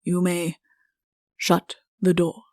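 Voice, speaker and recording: A woman's voice: lowish voice, completely flat delivery, takes it slowly, a little mellow, no room sound, clean studio sound. A woman voicing a pompous, stern, irritable middle-aged king in a comic fairy-tale audiobook, with an imperious, curt manner. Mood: cold.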